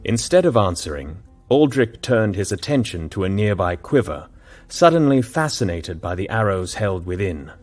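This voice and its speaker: Male narrator, low husky voice, slow and animated storytelling. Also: faint music behind. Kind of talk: audiobook drama narration.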